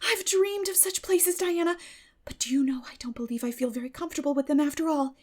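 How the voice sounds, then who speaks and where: A woman's voice: high-pitched, a little fast, darkish tone, pitched above the performer's own voice, close to an everyday voice. A woman voicing a chatty, earnest country girl full of romantic fancies in an audiobook story. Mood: awed, wistful. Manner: gushing, wordy, earnest. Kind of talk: dramatic audiobook character reading.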